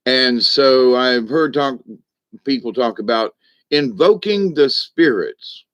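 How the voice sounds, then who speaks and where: A man hosting a livestream as a shaman gives a rambling spiritual talk, his medium-pitched voice moving slowly. He's folksy and meandering, with many asides to his viewers.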